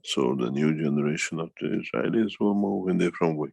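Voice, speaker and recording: Very deep, gravelly man speaking off the cuff. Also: a little fast, darkish tone, no echo. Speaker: foundation speaker answering questions. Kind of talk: unscripted talk, answering a question in an online meeting.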